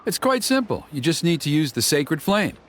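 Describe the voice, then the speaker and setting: A man playing a smooth, flattering old tribal elder in a video game, with a courteous, formal and persuasive manner. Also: fairly high pitch, moderate pace, a little hiss or hum. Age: older.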